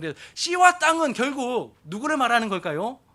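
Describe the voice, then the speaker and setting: A man speaks at an extremely high pitch in a raised, projected voice with a bright, sharp tone. His pitch swings very widely at a moderate pace, in a very clean recording with a silent background. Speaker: pastor. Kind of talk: sermon. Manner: speeding up.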